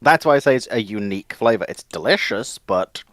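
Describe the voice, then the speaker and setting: A man on a discussion panel explaining things casually in a measured, matter-of-fact way. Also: fairly low pitch, expressive, a bit bright, no echo, studio quality.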